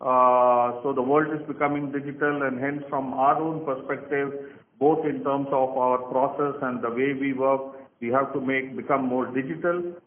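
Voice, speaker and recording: A man with an Indian accent explaining things as a finance chief on an earnings call, measured and formal. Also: medium pitch, steady tone. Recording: roomy speakerphone sound, tinny, noisy line.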